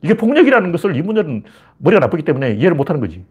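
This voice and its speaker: A man's voice: fairly high pitch, big pitch swings, rapid-fire, slightly rough, highs cut off. A man giving a heated political monologue, emphatic and blunt, acting out taunting questions. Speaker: political commentator.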